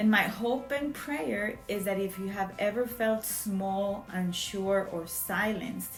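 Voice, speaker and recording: Music plays in the background. A woman with a medium-pitched voice speaks very slowly with ordinary pitch variation. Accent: non-native. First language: not English. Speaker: podcast host, communication coach. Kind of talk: motivational podcast talk.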